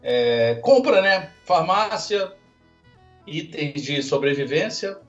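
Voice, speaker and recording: Jokey higher-voiced man, lo-fi line. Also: animated, slow, a bit bright, soft background music. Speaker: podcast co-host. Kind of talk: casual podcast chat.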